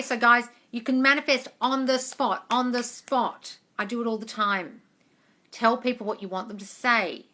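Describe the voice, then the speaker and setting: A manifestation coach in her forties leads a relaxed live Q&A, informal and chatty, with endearments like "darling" and "guys" for her listeners. Her voice is medium-pitched, bright and forceful, picked up close on a phone.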